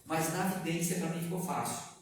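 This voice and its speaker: Man, Brazilian Portuguese accent, spiritist lecture, animated, questions the crowd, distant mic, very echoey hall. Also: a little high, moderate pace. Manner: animated, asks the audience questions, chuckles often. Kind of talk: lively lecture to a live audience. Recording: echoey room, far from the mic, background noise.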